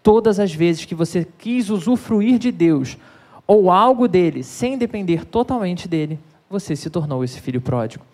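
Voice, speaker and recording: A preacher with a Brazilian accent delivers a sermon. The voice swings from raised, pressing peaks down to low, quiet endings. The preacher speaks straight to the congregation and to those watching from home. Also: expressive, moderate pace. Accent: Brazilian Portuguese. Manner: emphatic, with dramatic rises and drops in pitch; addresses both the congregation and viewers at home.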